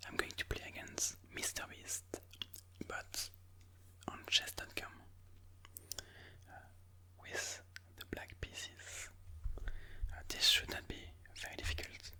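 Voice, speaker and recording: This ASMR host offers chess commentary in an unvoiced, breathy whisper that comes across as bright and pushed, explaining each move in a slow, deliberate way.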